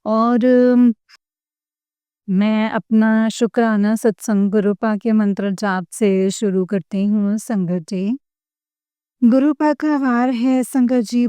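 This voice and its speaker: A middle-aged woman from Punjab gives a devotional testimony. She is tearful, talks in a slow, repetitive way and keeps addressing the congregation. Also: medium pitch, dark tone, smooth, dry recording, clean studio sound. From Punjab, India.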